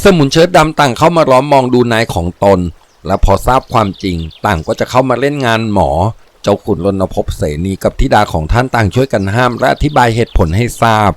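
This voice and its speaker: A man narrating a crime adventure novel in a steady, vivid storytelling voice. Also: medium pitch. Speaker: audiobook narrator. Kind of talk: dramatic audiobook reading.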